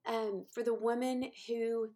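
A woman's voice: a little high, level tone, unhurried, mellow. A woman podcast host speaking heartfelt encouragement to listeners, repeating phrases and using many fillers.

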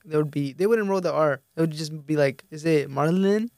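A woman in casual conversation, talking in a halting, reflective way with filler words. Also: low-pitched, darkish tone, dry recording, studio quality. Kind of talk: casual chat.

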